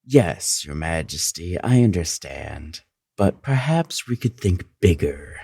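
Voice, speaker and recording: A man playing a scheming, manipulative royal advisor in a fantasy audio drama, with a sly, flattering, insinuating drawn-out delivery. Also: low-pitched, vocal fry, slightly rough, no room sound, studio quality, heavily acted.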